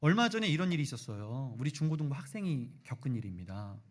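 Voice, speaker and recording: A male pastor preaching a sermon, animated, questioning the congregation and acting out quotes. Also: mid-range voice, quick pace.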